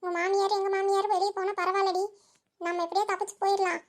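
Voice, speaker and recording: A woman's voice: very high voice, little pitch movement, fast. A woman voicing a fretful young village wife, in a cartoon. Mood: frightened. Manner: anxious, exclaims often.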